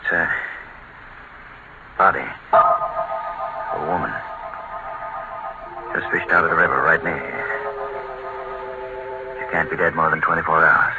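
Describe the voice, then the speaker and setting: A gruff deep-voiced police detective. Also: male voice, steady tone, exaggerated voice. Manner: brisk, matter-of-fact. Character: gruff plainspoken police detective, middle-aged man. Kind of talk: 1940s radio acting. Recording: lo-fi 1940s radio broadcast with music.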